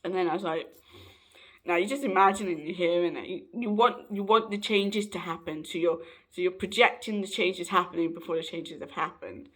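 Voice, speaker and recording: Chatty young trans man, slightly raspy. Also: high voice, a little fast, a bit bright. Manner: rambling, self-correcting, laughs often. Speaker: vlogger. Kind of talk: casual personal vlog.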